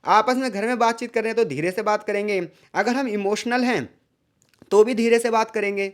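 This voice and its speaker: A man's voice: high-pitched, steady tone, normal speed. A male tutor giving an exam-prep lecture, asking rhetorical questions, calling his listeners brother and mixing English words into his talk. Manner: mixes English words into Hindi.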